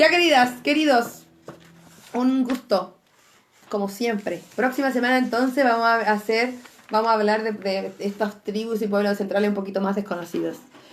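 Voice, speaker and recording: Animated and fairly high-pitched, a woman speaks with a Chilean accent and ordinary pitch variation. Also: moderate pace. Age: 40s. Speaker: dance teacher and live streamer. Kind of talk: live stream chat with viewers.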